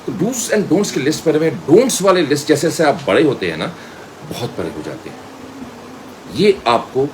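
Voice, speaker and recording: A middle-aged man with an Indian accent gives an informal lecture, telling personal anecdotes in an animated way and mixing in English phrases. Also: on the low side, slight background noise, rough recording. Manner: animated storyteller, acts out dialogue, mixes in English phrases. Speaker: media school director and voice trainer.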